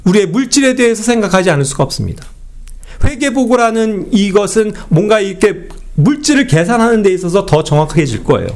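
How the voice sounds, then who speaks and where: A male preacher delivers a sermon and keeps turning to the congregation with rhetorical questions. His voice sits high, and his pitch rises and falls a great deal. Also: lively intonation, brisk, a little mellow.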